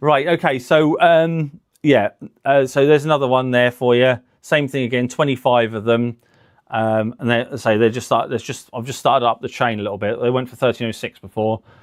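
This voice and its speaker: Medium-pitched male speech with a British accent and ordinary pitch variation. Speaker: live stream auction seller. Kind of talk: live sales stream. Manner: hesitant, many fillers and repeats.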